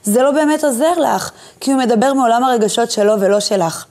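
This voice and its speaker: A woman with a fairly high voice gives a motivational talk about self-image. Addressing the viewer personally, she walks her through breathing exercises using gentle guidance.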